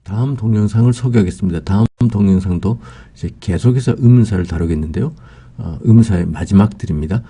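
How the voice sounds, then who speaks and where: A man's voice: on the low side, fast, warm tone, slightly rough. A man teaching English grammar, explaining example sentences step by step with frequent "ah" fillers.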